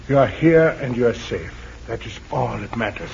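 A formal, earnest jungle ally in a radio serial. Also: male voice, mid-range voice, animated, a little slow, vocal fry, darkish tone. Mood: grave. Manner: formal, stilted speech without contractions. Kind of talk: 1940s radio acting. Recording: dull, hissy old radio recording.

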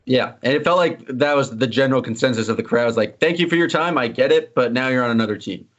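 A man's voice: medium pitch, a bit bright. Joking man hosting a sports podcast. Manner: joking, quick and teasing. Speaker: podcast host. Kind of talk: casual sports podcast chat. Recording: slightly dull lo-fi audio.

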